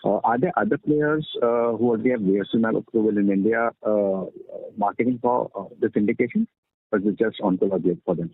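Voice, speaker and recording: Husky low-voiced man on the phone. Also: quick pace, no room sound. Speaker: analyst asking questions. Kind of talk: questioning on an earnings call. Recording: dry, muffled narrowband phone line.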